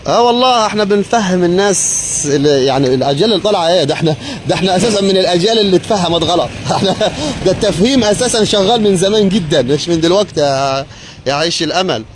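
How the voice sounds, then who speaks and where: A man talks at a racing clip in a fairly high voice, tossing blessings to passersby. Between greetings he slides into preachy asides. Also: expressive, racing, slight background noise. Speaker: street vlogger. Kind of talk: casual street vlog with religious musings.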